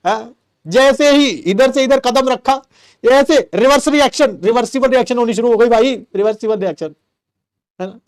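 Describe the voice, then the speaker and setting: A man's voice: very high-pitched, smooth. A middle-aged man from Delhi, a teacher telling a comic personal story to his class with exaggerated flair and rhetorical questions. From Delhi, India.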